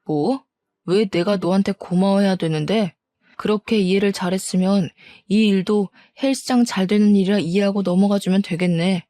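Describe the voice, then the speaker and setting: A woman's voice: mid-range voice, warm tone, no echo, lightly acted. A woman doing a blustering cheating husband. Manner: blustering, scornful and accusing. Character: defensive cheating husband, gym owner, middle-aged man.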